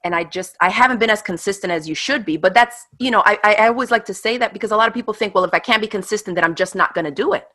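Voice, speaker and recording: Bright-voiced woman in her 30s, chatty and quick, laughing as she tells how she got started. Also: mid-range voice. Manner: animated, fast storytelling with laughs. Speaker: guest, online craft teacher. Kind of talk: casual interview chat.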